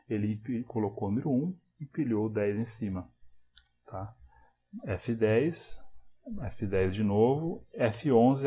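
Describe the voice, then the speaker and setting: A programming instructor with a fairly low, mellow voice walks through code step by step in a casual screencast lesson. He keeps things explanatory and relaxed, often checking in with the listener through tag questions.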